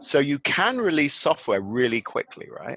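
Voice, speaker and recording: A man with an English accent and very wide pitch swings. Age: 40s. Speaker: agile expert. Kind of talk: casual interview chat.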